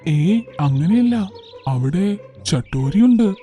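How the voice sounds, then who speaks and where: A man voicing a good-natured forest animal in a children's cartoon, speaking in a simple, measured manner. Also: high voice, animated, warm tone. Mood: puzzled. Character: trusting monkey; fair-minded animal king of forest.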